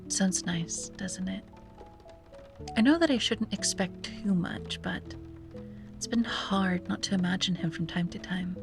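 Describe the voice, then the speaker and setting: A woman playing a wistful, self-doubting young sea-witch in an ASMR roleplay, speaking softly and breathily with hesitant musing and frequent drops to a whisper. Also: mid-range voice, a little slow, over music. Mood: dreamy, longing. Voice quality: breathy, often dropping to a whisper. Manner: hesitant, musing, sighing, gently playful. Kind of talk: ASMR roleplay, soft intimate monologue.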